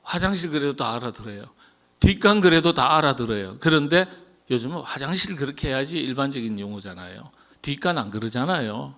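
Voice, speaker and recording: A middle-aged Korean pastor preaching at a midweek prayer meeting, talking casually, putting questions to the congregation and sometimes dropping to a whisper. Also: male voice, mid-range voice, animated, fairly quick, a bit bright. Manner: conversational, asks the congregation questions and answers himself; drops to a whisper at the ends of phrases. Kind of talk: sermon at a Wednesday prayer meeting.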